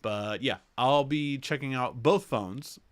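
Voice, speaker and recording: Smooth-voiced man hosting a tech livestream. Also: medium pitch, slow. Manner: reads viewer questions aloud, answers with many fillers and restarts. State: slightly stuffy nose. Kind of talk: casual live Q&A chat.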